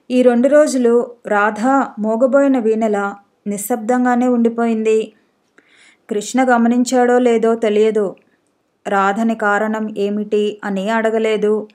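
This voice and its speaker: A woman narrating a novel as an audiobook in slow, measured scripted narration. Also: a little high, darkish tone.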